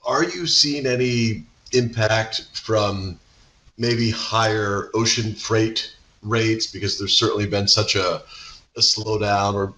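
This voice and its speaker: Male analyst with a crisp, bright, fairly low voice, feeling his way through earnings-call questions. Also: poor audio. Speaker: financial analyst.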